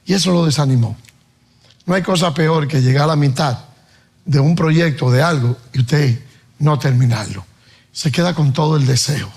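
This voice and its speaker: A man's voice: on the high side, moderate pace, darkish tone, slightly rough. A male pastor preaching a sermon, asking pointed questions and reading scripture aloud. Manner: preaches with rising, emphatic questions and Bible reading.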